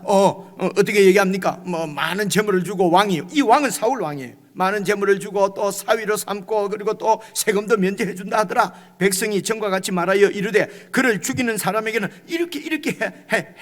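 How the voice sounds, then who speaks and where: A man's voice: high-pitched, a bit bright, big-room sound. A male pastor preaching a midweek sermon in a conversational way, often asking the congregation "right?" and acting out quoted lines. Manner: acts out quoted lines with rising intensity. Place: church sanctuary.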